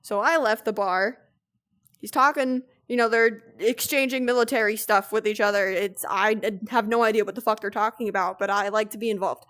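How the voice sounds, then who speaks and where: A young woman co-hosting a casual stream, reading posts aloud and telling stories with lively, profane energy. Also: mid-range voice, brisk, clean tone. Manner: animated storytelling, swears freely. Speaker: streamer, co-host.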